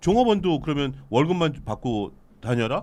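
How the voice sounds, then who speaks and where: A man speaks loudly in an animated tone. His pitch swings very widely. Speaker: stock market expert. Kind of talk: interview.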